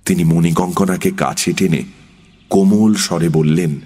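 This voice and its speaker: Slow, deep-voiced male narrator. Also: steady tone, warm tone, breathy edge. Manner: measured, unhurried storytelling. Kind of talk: audiobook narration.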